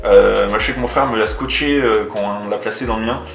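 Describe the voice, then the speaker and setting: A man's voice: fairly low pitch, fairly quick, creaky. A man from casually demonstrating a product as a vlogger, explaining it step by step in informal, colloquial language. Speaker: motovlogger reviewing a product. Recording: roomy echo, faint music underneath.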